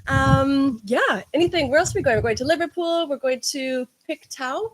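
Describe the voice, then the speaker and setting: A woman in her thirties with a Canadian accent, chatting casually on a live travel stream, upbeat and quick to laugh. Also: high voice, a little hiss or hum. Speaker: travel vlogger.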